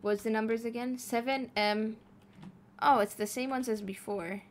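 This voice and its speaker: A woman's voice: fairly high pitch, steady tone, moderate pace, a little hiss or hum. A woman streaming live as a VTuber, chatting casually with her chat while playing a game, giggling often and swearing freely.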